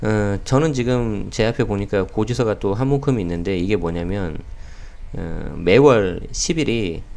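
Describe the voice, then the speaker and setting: Man, low voice, slightly hoarse, casual host, lots of filler sounds. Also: normal speed. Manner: relaxed, many fillers, talks straight to viewers. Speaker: real estate channel host. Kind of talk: casual daily news commentary.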